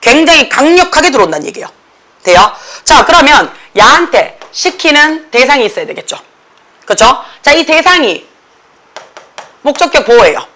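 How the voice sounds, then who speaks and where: Woman, Gyeongsang accent, classroom teacher, blunt, keeps asking for agreement, lively pitch. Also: moderate pace. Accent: Gyeongsang Korean. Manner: animated, blunt, checks in constantly with students. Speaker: academy English teacher.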